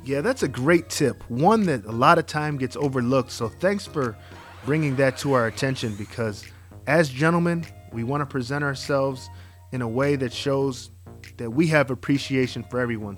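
A man's voice: medium pitch, normal speed, faint music behind. A man hosting a podcast, giving earnest advice and welcoming a guest. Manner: earnest, encouraging, gives advice. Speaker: podcast host. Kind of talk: casual podcast chat and interviewing.

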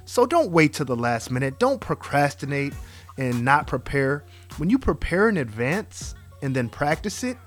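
Guy hosting a podcast, kinda high voice, earnest advice-giving vibe. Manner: earnest, encouraging, gives advice. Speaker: podcast host. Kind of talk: casual podcast chat and interviewing.

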